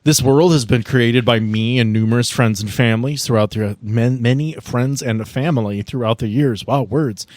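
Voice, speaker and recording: A man's voice: medium pitch, normal speed, hardly any pauses, a little mellow, no room sound. A man in his thirties hosting a tabletop game podcast, chatting casually and recapping the story as game master. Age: 30s.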